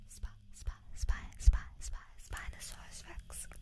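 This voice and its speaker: Whispering and breathy, a soft-spoken woman talks at a fairly slow pace. Noticeable background noise runs underneath. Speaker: ASMR creator. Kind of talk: ASMR trigger words and soft vlog chat. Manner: soft breathy ASMR whisper, repeated words. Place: home room.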